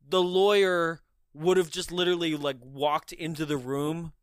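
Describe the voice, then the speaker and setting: A man's voice: fairly high pitch, flat delivery, normal speed, smooth, dry recording, studio quality. A young man in casual, laugh-filled chat about a film, often slipping into put-on voices for the characters.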